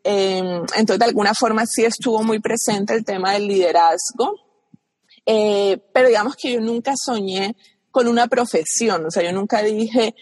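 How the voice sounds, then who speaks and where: A woman's voice: mid-range voice, normal speed, darkish tone, no echo, in a large hall. Colombian coastal woman, dry close voice. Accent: Colombian Caribbean coast. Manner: reflective, frequent fillers and restarts. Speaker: guest. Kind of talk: casual interview conversation.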